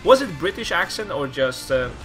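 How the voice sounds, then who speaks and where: Playful, animated male game commentator. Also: a little high, moderate pace, faint music behind. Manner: playful, laughs often, animated. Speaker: esports commentator.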